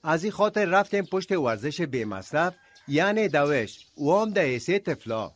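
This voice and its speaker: An actor playing a practical, modest village mullah in a radio drama, matter-of-fact, with an Afghan accent. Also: male voice, fairly high pitch, big pitch swings.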